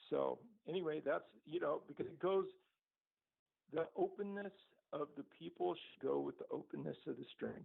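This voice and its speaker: A man keeps to a moderate speed. Long pauses come often. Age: 60s. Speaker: viewer calling in. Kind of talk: casual chat. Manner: halting.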